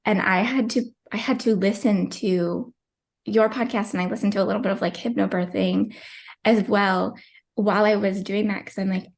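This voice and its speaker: A woman's voice: medium pitch, fairly even intonation, moderate pace, vocal fry. A young woman in her twenties, a podcast guest telling a personal birth story in a chatty, emotional way with many fillers. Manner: tearful at times, chatty with many likes.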